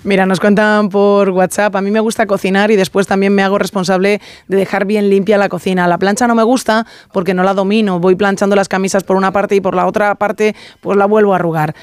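A woman's voice: medium pitch, level tone, a little fast, clear, resonant tone, no room sound. Easygoing woman, dry studio. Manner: easygoing, laughs along. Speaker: radio co-host. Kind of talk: casual radio banter, reading listener messages. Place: radio studio.

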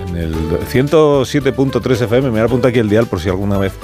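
A man's voice: mid-range voice, expressive, fast, over music. A man with a Castilian Spanish accent hosting a conversational radio interview, hesitating and repeating words as he goes. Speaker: radio host.

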